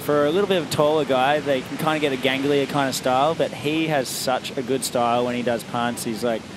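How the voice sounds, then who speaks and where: A man's voice: mid-range voice, steady tone, brisk, noisy background. A man commentating on a surf contest in an enthusiastic, chatty way. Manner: enthusiastic, chatty, laughs often. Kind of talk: sports commentary.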